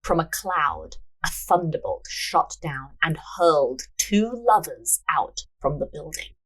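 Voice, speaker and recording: A woman's voice: low-pitched, animated, slow pace, fairly bright tone, slightly rough, rough recording. A woman hosting a story podcast, moving between narration and casual banter. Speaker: podcast host, writer and narrator.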